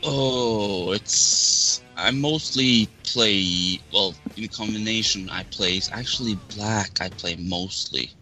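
Bright-voiced Norwegian man, shy guest. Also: lowish voice, slow pace, few pauses, soft background music, poor audio. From Norway. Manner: shy, hesitant. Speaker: podcast guest. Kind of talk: casual chat.

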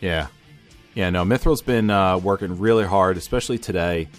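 A man hosting a casual podcast, energetic and talkative, often repeating himself with fillers. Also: low-pitched, moderate pace, soft background music. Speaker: podcast host. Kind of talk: casual chat.

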